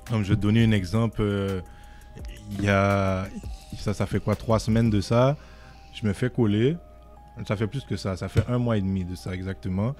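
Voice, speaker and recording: Low-voiced Québécois man telling a story. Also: normal speed, soft background music. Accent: Québécois French. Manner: animated, repeats "tu comprends?" often. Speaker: podcast guest. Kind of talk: casual storytelling.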